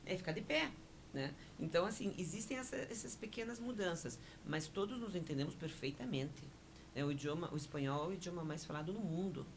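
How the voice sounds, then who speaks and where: Radio guest, woman, native Spanish speaker, measured explainer, noticeable hiss on the line. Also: lowish voice, darkish tone. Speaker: interview guest, honorary consul. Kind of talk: radio interview conversation.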